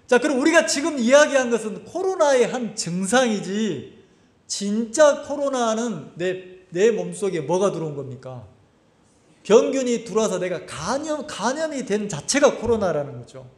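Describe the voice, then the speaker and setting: A man's voice: high voice, sing-song, normal speed. A male pastor preaching a sermon at a church camp, constantly asking the congregation questions. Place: church summer camp service. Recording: echoey hall.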